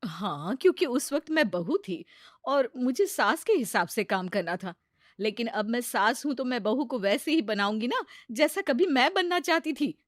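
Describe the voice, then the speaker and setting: A woman voicing a kind middle-aged mother-in-law who speaks softly and gently. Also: a little high, very animated, normal speed, no room sound, studio quality. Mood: gentle.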